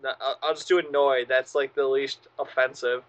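A man's voice: medium pitch, level tone, moderate pace, muffled recording. A man co-hosting a casual podcast chat, sardonic and swearing freely. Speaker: podcast co-host.

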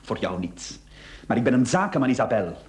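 A man's voice: medium pitch, big pitch swings, fairly quick, natural voice. Anxious middle-aged Flemish businessman played by an actor. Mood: exasperated, pleading. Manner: exasperated, pleading. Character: anxious married businessman, cornered and exasperated. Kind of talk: radio play acting.

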